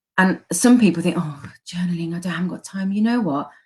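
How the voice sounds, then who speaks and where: A woman's fairly low voice in a Birmingham accent, on a very clean recording with a silent background. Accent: Brummie. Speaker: life coach. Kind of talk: interview. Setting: live video stream.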